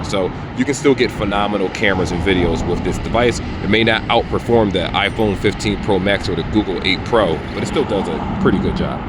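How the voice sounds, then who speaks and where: A man speaking casually and conversationally as an opinionated tech reviewer, recorded on an earbud microphone outdoors. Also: low-pitched. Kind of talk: casual phone review to camera. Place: outdoors near traffic. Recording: outdoor street traffic, music in background.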